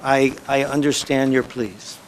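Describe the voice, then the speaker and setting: A man speaks up as a councilman at a town meeting, cutting in with quick stammered restarts. Faint background noise from the chamber sits under his voice. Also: medium pitch, fairly even intonation, rough recording. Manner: interjecting, defensive, stammering.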